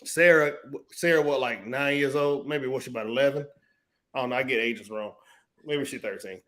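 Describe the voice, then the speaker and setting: A man's voice: mid-range voice, normal speed, a bit bright. A young man speaking AAVE, co-hosting a podcast in casual chat, emphatic and given to exaggeration. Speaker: podcast co-host.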